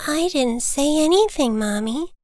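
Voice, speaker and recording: A woman's voice: sits high, animated, unhurried, a little mellow, no room sound, clean studio sound, pitched above the performer's own voice. A woman voicing a timid, sad young male bird in a children's storybook. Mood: pleading, insistent.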